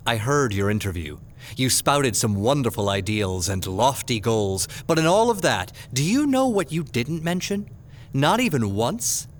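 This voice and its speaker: A domineering male corporate boss in a sci-fi audio drama. His mid-pitched voice swings widely, sardonic and menacing, with clear ambient noise behind it. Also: very animated. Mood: mocking. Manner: mocking, domineering, deliberate emphasis.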